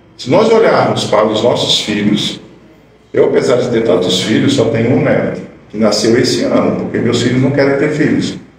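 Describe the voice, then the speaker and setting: A man speaks at a medium pitch. Audible room echo and noticeable background noise surround the recording. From Brazil, Goiás. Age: 60s. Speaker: spiritist lecturer. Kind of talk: lecture.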